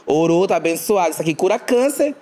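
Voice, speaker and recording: A man voicing his impatient, devout evangelical mother, speaking in a brisk, matter-of-fact way. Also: lowish voice, expressive, noisy background, natural voice.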